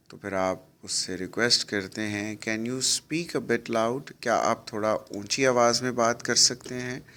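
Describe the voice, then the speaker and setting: A man with a South Asian accent teaching spoken English, explaining and repeating example phrases slowly and deliberately. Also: on the low side, a bit bright, slight background noise.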